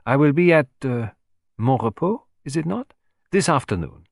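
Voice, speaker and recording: A man's voice: medium pitch, big pitch swings, moderate pace, vocal fry, dry recording, clean studio sound, voice pushed up. A man voicing a vain, fussy little male detective who speaks in a courtly, self-satisfied and precise way. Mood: musing.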